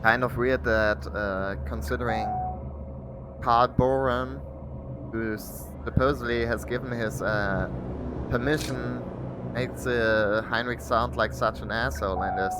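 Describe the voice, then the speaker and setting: A man's voice: medium pitch, fairly even intonation, a little slow, background noise. A man from Germany with a German accent, reading game texts aloud on a livestream and adding casual comments. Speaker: game streamer.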